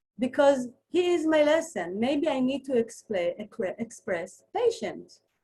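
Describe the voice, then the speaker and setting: A woman's high-pitched voice in an Israeli accent, dark and mellow in tone, with very wide pitch swings. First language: Hebrew. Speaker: near-death experiencer, former lawyer. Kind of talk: interview. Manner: halting.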